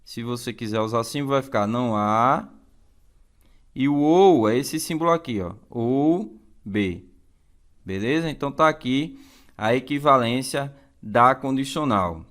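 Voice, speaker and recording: A man's voice: medium pitch, lively intonation, measured pace. A man with a Brazilian accent teaching an exam-prep lesson in a didactic way, repeating key phrases and checking in with listeners.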